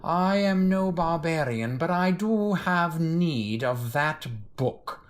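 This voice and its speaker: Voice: mid-range voice, lively intonation, takes it slowly. An actor playing a ruthless Nazi general in an audio drama, formal and menacingly polite. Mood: polite menace.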